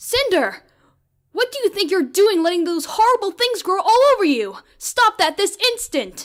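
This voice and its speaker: Someone is shouting. It is a put-on character voice. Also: female-sounding voice, extremely high pitch for a woman, moderate pace. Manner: shouting, angry.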